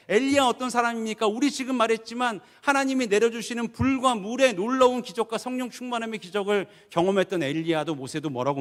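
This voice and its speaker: A middle-aged man preaching a sermon as pastor, asking the congregation questions and acting out the prayers he quotes in a low, soft voice. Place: church sanctuary. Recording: long church reverb.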